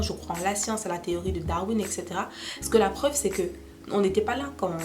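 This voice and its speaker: Young woman vlogger with a head cold, earnest and conversational, music bed under her voice. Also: medium pitch. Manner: earnest, repeats "d'accord?" to check in. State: has a cold, stuffy. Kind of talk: casual faith talk to camera. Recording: clear music in the background.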